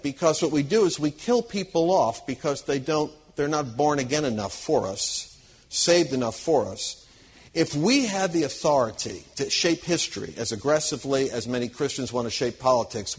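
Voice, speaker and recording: A man's voice: fairly high pitch, expressive, moderate pace, a little hiss or hum, rough recording. A man teaching Christian leaders in an earnest, emphatic, conversational way, often restarting his sentences. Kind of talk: teaching talk to a church audience.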